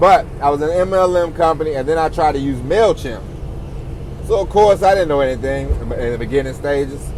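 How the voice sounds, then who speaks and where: Noticeable background noise runs underneath. A man speaks over it at a fairly quick pace. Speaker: podcast host. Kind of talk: casual monologue. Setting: in a car. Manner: fast.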